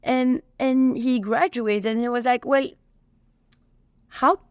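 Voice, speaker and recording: A woman in her thirties from Belgium with a Belgian accent, chatty and animated as she answers interview questions. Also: sits high, takes it slowly, smooth, dry recording, studio quality. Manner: chatty, animated storytelling with restarts. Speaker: company co-founder and CEO.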